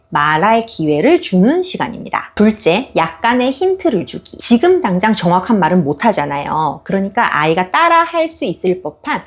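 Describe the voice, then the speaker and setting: A woman in her thirties, a speech therapist, explaining parenting habits in a gentle, reassuring way. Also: medium pitch, husky. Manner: gentle, reassuring, acts out toddler sounds and parent phrases.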